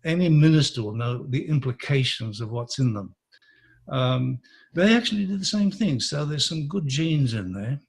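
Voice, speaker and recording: Husky guy who grew up in malaysia, guest on a podcast, earnest and reflective, mid pitch. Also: expressive, normal speed. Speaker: interview guest. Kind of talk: personal storytelling in an interview.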